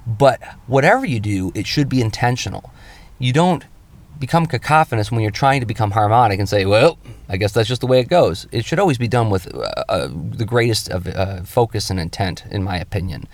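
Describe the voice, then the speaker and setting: A man's voice: lowish voice, expressive, a little fast, no echo. A man giving an informal spoken tutorial as a show host, thinking aloud conversationally and shifting his voice emphatically to stress points. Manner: conversational, thinking aloud with frequent self-interjections. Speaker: comics artist hosting a lettering show.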